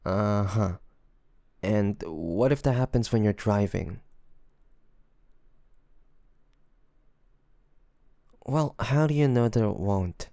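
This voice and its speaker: Casting: male actor as devoted, worried boyfriend for one-sided audio drama; gentle, hesitant, slightly gravelly voice, close dry sound. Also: on the low side, lively intonation, no room sound. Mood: worried, firm. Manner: gentle, hesitant, pleading, with sighs and pauses. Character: loving, worried boyfriend coaxing his sick partner to rest.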